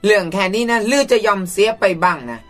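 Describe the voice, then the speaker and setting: An actor playing a blunt friend who talks roughly and urges the businessman to give people a chance. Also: high-pitched, quick pace, a bit bright, faint music behind. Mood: urging. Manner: rough casual talk, urging.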